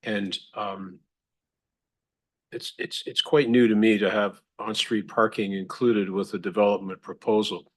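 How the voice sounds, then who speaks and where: Councillor guy, lowish voice, asks polite questions at a meeting. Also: flat delivery, a little slow. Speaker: city councillor.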